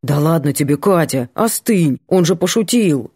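A laid-back, teasing young man, as a woman reading a story puts him on. His voice sits low and a little husky, with an easy, playful lilt. It is recorded dry and close. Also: expressive, moderate pace, dark tone, dry recording, heavily acted. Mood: soothing. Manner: soothing, playful. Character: easygoing, teasing young man, the heroine's friend.

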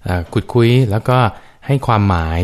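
A man who is a Buddhist monk, patiently explaining teachings on a radio Dhamma discussion, with many soft fillers. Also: fairly quick. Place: radio studio.

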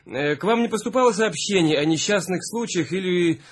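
A man's voice: high voice, animated, a little fast. A man acting in a radio drama as a worried, loyal friend who talks earnestly and anxiously. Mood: anxious, hesitant.

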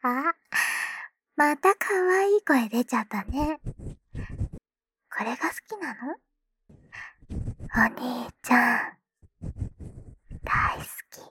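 Actress as a doting, teasing schoolgirl sister in an ASMR roleplay; slow, bright, airy whispering. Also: high-pitched, animated, a little hiss or hum, full character voice. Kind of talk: ASMR roleplay with ear cleaning.

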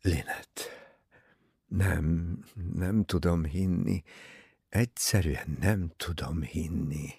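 A man reading an audiobook, voicing a wounded, frightened young husband who talks in a strained, halting way. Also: low-pitched, creaky, a little mellow, breathy edge, no room sound, clean studio sound, heavily acted.

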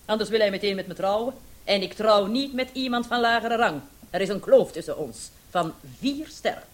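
A woman's voice: mid-range voice, moderate pace, lightly acted. An actress playing a self-assured female police commissioner in a radio play, with a dry, authoritative manner. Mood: commanding, dry.

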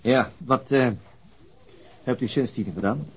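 Husky, gloomy police inspector. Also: male voice, medium pitch, slow, low-quality recording. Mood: probing, measured. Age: middle-aged. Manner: grumbling, sardonic, blunt and coarse. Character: gloomy, bitter, cynical middle-aged police chief inspector and father. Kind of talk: naturalistic radio drama acting.

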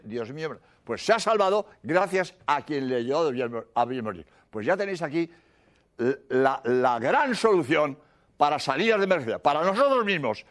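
A priest preaches in a high, strongly rising and falling voice. He repeats his points with earnest insistence and sinks to a soft murmur when he recites prayers. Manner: earnest, repetitive, drops to a hushed murmur for prayers. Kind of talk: sermon.

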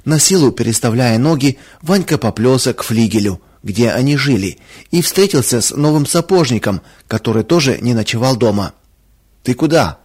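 Husky-voiced male storyteller. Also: medium pitch. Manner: calm, measured storytelling. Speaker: narrator. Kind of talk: scripted narration of a Christian children's story.

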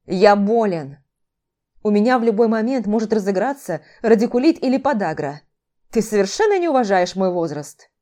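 A woman's voice: medium pitch, normal speed, warm tone, close to an everyday voice. A woman voicing a male demon mentor who whines, pleads and plays to an imagined crowd in an audiobook. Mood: whining. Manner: whining, pleading, theatrical. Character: whiny theatrical male demon mentor, ageless.

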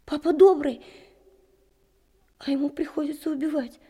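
Wartime radio play: anxious young girl, childlike, high, mellow voice, tender and plaintive. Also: fairly even intonation, normal speed. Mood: subdued, anxious. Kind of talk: radio drama acting.

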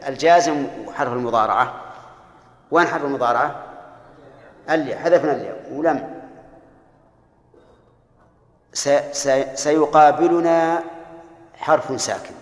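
A man teaching a grammar lesson, explaining step by step and quizzing his students. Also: medium pitch. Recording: echoey hall with long reverb.

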